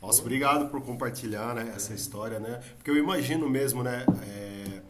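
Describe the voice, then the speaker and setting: Thoughtful host in roomy sound. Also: male voice, mid-range voice, brisk, a crowd in the background. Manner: thoughtful, hedging with filler tags. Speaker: podcast host. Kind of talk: casual interview chat. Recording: roomy with faint background noise.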